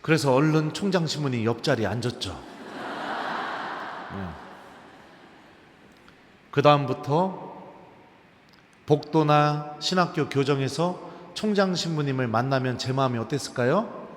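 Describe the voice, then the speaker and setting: A man's voice: mid-range voice, a little slow, long pauses, a little hiss or hum. A man, a Catholic priest, giving a lecture to a live audience and telling funny stories while quizzing his listeners. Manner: lively humorous storytelling with quiz questions to the audience. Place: large cathedral. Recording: long cathedral reverb.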